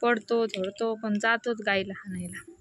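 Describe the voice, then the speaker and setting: A woman's voice: medium pitch, steady tone, normal speed, a little hiss or hum. A woman chatting casually in a family vlog, coaxing her small children. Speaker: vlogger mother.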